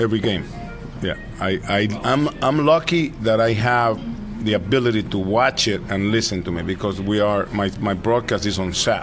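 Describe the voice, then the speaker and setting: A man with a Spanish accent, fairly low in pitch, at a moderate pace, with noticeable background noise. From El Salvador. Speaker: sports broadcaster. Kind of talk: interview. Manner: halting.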